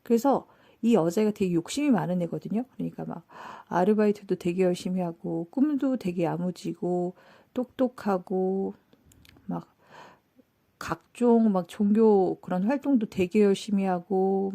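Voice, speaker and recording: A woman telling a personal story in a casual, animated way, acting out what people said. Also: mid-range voice, moderate pace, vocal fry. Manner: animated, acts out quoted dialogue. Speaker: channel host telling a story.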